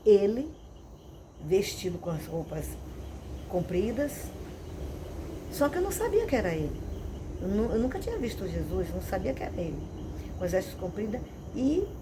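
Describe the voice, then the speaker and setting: At a normal speed and with frequent pauses, a mid-range female pastor and missionary preaches her testimony. Her storytelling is lively and full of dramatic repetition. Background noise includes chirping crickets and insects.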